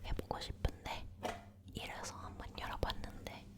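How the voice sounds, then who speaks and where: A woman leaning in to whisper close to the mic, telling personal stories in a hushed ASMR style, gently repeating words. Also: normal speed. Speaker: ASMR host.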